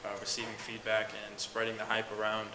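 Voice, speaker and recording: A man's voice: fairly low pitch, completely flat delivery, fairly quick. A young man answering judges' questions off the cuff as a student contestant, recorded in an echoey, noisy room. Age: young adult. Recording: roomy, echoey, clearly noisy live recording.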